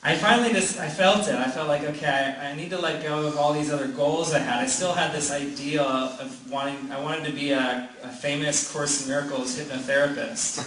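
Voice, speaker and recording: Brisk and steady, with few pauses, a man with a fairly high, fairly bright voice tells the group a personal story at a gathering in a room. It comes out rambling and casual, packed with restarts, "like," and frequent laughs. Sound is echoey and noisy, captured from a distant mic.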